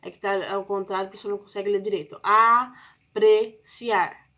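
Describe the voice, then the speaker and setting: A woman's voice: mid-range voice, little pitch movement, rapid-fire. A woman teaching a Portuguese spelling lesson with a Brazilian accent, patiently spelling out and stressing example words for young learners. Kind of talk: recorded classroom lesson.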